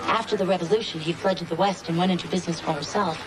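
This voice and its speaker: Android police lady actress doing it, talks quick, super precise and literal, tv scifi cop show. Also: lowish voice, fairly even intonation, lightly acted. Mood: informative. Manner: precise, matter-of-fact. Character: literal-minded female android police partner, precise and knowledgeable. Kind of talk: TV sci-fi crime drama acting.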